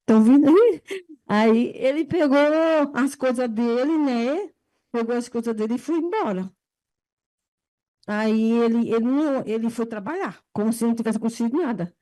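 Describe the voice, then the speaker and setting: A woman's voice: moderate pace, dark tone. A woman telling a painful personal story in plain everyday speech, often checking in with short tag questions and her voice lifting when she quotes herself. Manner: emotional retelling, pitch rising in quoted speech. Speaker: woman giving a testimony.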